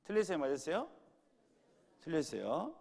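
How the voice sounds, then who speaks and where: A man's voice: on the high side, wildly swooping pitch, normal speed, gravelly, darkish tone, husky. A male pastor preaching a sermon to his congregation in a church hall, quizzing them with repeated right-or-wrong questions.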